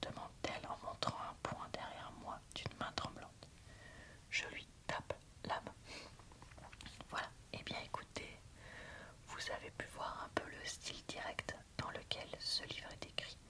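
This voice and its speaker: A woman whispers in a breathy, unvoiced ASMR style, speaking informally and frankly as she reads and reviews books. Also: measured pace. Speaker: book reviewer.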